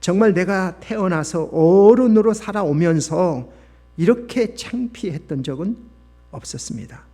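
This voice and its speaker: A man's voice: a little high, dark tone. A male pastor praying and then reading a letter aloud as a dramatic story in a revival sermon.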